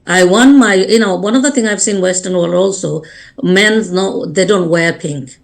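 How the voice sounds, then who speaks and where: A woman's voice: medium pitch, moderate pace, creaky. A woman from Bangladesh, speaking earnestly as a life coach and guest on a radio interview. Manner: earnest, speaks in short restarting phrases.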